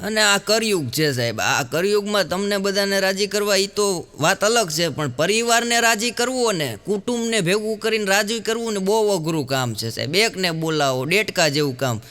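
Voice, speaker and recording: A man's voice: sits high, expressive, normal speed, hardly any pauses, fairly bright tone, long reverb tail, soft background music. A man telling stand-up jokes in a chatty way, often calling the audience sir. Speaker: comedian.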